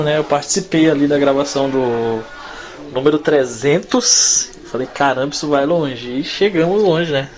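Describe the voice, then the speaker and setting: A man recording a friendly greeting for the podcast's listeners, speaking slowly with casual slang. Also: mid-range voice. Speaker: guest sending a recorded greeting. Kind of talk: recorded congratulations message.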